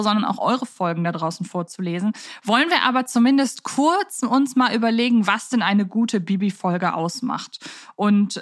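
A woman's voice: mid-range voice, no room sound, studio quality. A woman co-hosting a podcast in a chatty, wordy way, repeating words for emphasis. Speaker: podcast co-host. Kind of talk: chatty fan podcast moderation.

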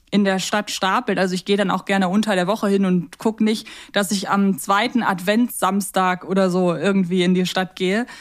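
A woman with a mid-range voice speaks as a podcast co-host. Her delivery is casual, unscripted conversation. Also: medium pitch. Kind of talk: casual chat about audio drama episodes.

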